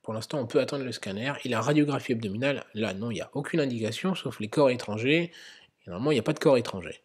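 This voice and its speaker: A man's voice: medium pitch, lively intonation, quick pace, breathy edge. A man, a medical educator, talking through an emergency-medicine quiz in an explanatory way, with many fillers. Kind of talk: narrated quiz lesson.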